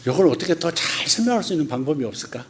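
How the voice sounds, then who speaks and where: A middle-aged man preaching a sermon as pastor, talking colloquially and animatedly, laughing often and acting out quoted voices in sudden loud high bursts. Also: very animated, very fast, background noise.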